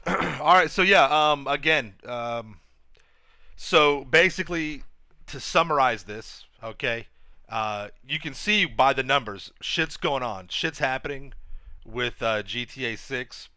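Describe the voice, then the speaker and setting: A man hosting a livestream, giving casual, halting, informal commentary with some swearing. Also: medium pitch, lively intonation, pushed and bright, no room sound. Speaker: livestream host.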